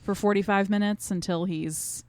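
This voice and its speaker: A woman's voice: mid-range voice, fairly even intonation, normal speed, darkish tone, dry recording. A woman co-hosting a podcast, talking in an informal, emphatic way as she chats through a review. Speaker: podcast co-host. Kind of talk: casual review chat.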